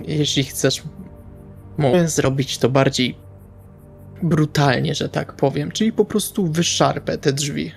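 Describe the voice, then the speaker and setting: A man's voice: on the high side, slow pace, vocal fry, pauses often, faint music behind. A man playing a tabletop role-playing game, improvising dialogue and narrating his actions casually in colloquial speech. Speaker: tabletop RPG player.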